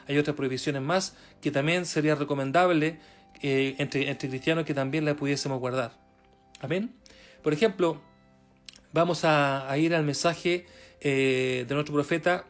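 Chilean male preacher, slightly high voice, hesitant and repetitive, soft music under him. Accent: Chilean Spanish. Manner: halting, many fillers and repeated words, rising for emphasis. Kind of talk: sermon reading and retelling a testimony.

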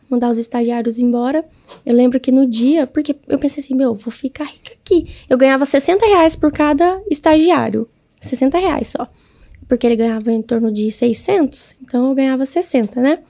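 A woman's voice: high-pitched, moderate pace, warm tone. A woman, a guest entrepreneur, telling her story in a casual interview and acting out her own past words.

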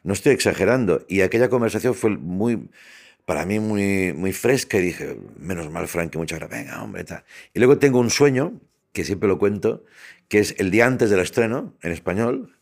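A man with a very low voice and a Catalan accent, native to Catalan, telling lively anecdotes as an interview guest. He slips into the voices of the people in his stories as he goes. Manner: animated storyteller who acts out quoted voices. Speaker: interviewee, TV entertainer. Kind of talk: storytelling in an interview.

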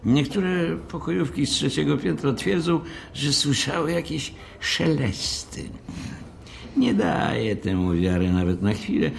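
Audio drama hotel manager: pompous, formal, methodical, slightly high voice with gravelly creak. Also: male voice, expressive, a little slow, a little hiss or hum. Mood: brisk, officious. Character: officious, pompous male hotel manager briefing a new caretaker.

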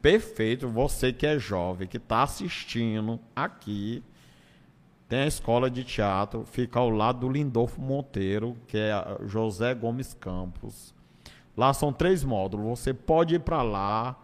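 A man's voice: mid-range voice, unhurried. A man with a northeastern Brazilian accent, telling stories casually as an interview guest, in a colloquial way that acts out bits and repeats phrases. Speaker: stand-up comedian, interview guest. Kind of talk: casual conversational storytelling. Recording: long hall-like reverb.

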